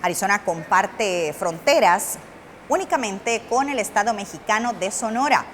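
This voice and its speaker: A woman's voice: mid-range voice, animated, normal speed, a bit bright, slight background noise. A woman reading scripted informational narration for a TV program in a formal, explanatory way.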